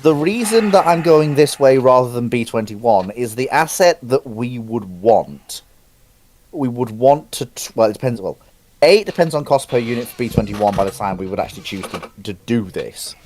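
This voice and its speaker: A man's voice: mid-range voice, animated, moderate pace, a little mellow, slight background noise. A man in a live debate on military procurement, earnestly building his argument step by step.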